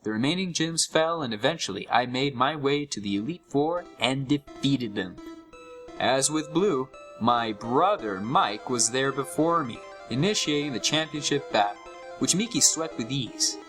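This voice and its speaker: A man giving an expressive, scripted first-person narration of a horror story. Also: mid-range voice, normal speed, soft background music.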